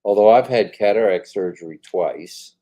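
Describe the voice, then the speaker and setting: A man's voice: on the low side, moderate pace, dark tone. An older man co-hosting a casual live-stream chat, reading viewer comments aloud in an upbeat, chatty way.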